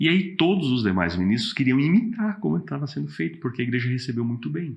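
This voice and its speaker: Here a man talks at a very fast pace in a medium pitch, somewhat breathy. His pitch swings very widely. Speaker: pastor. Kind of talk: casual interview chat.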